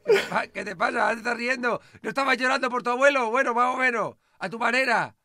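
A man from hosting a Minecraft roleplay, stammering, panicky, whining and shouting. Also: very high voice, fast, no room sound. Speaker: roleplay host.

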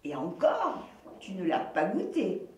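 A woman's voice: on the low side, wildly swooping pitch, measured pace, darkish tone. A woman reading aloud, voicing a cheerful, playful woman friend in a storybook, with a raised, singsong voice. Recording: roomy echo, distant mic.

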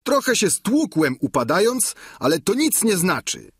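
A man's voice: very animated, a little slow, husky, no echo, exaggerated voice. A man voicing a boastful, simple peasant squire who tells his tale in a raised, eager, emphatic voice, in a dry close recording. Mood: eager boasting. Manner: high, eager, emphatic telling.

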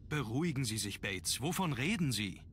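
An actor playing a grave, brooding young aristocratic heir in a video game, speaking in a measured way. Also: male voice, medium pitch, big pitch swings, fairly bright tone, slight background noise. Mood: concerned. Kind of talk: German video game voice acting.

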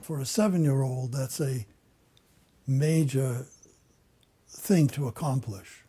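Older man, german native speaker, dark husky voice, measured and thoughtful. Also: medium pitch. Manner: measured and reflective. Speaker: interviewee. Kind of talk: reflective interview testimony. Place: indoor office.

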